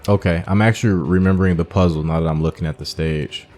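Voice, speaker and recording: A man's voice: deep voice, steady tone, fast, darkish tone. A man giving casual let's-play commentary on a video game, musing aloud as he talks through each step. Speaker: gaming streamer playing through a video game.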